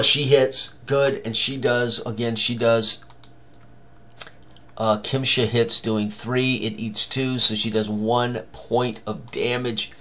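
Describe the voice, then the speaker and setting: A man's voice: medium pitch, a bit bright. An older man presenting a tabletop game tutorial at his computer, thinking aloud in short running commentary on rolls and tallies. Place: small room indoors, at a computer.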